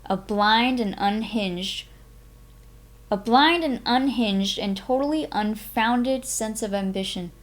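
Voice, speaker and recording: Female streamer, mid-pitched and leisurely, expressive delivery with drawn-out dramatic phrases. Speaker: host of a live reading stream. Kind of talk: expressive audiobook-style reading and casual stream chat.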